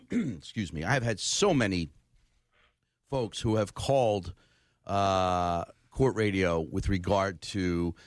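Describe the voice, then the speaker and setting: A man hosting a call-in legal radio show from a studio, with a brisk, announcer-like delivery. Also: low-pitched, animated, no room sound.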